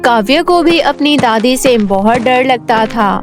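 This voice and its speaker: A woman's voice: on the high side, lively intonation, a little slow, music in the background. A woman doing scripted narration of a children's cartoon story as its storyteller.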